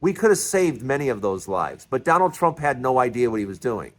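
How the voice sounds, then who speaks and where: A man's voice: medium pitch, very animated, fairly quick. A man in his early sixties giving an emphatic, passionate monologue, often repeating and restarting words. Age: 60s. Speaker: commentary host.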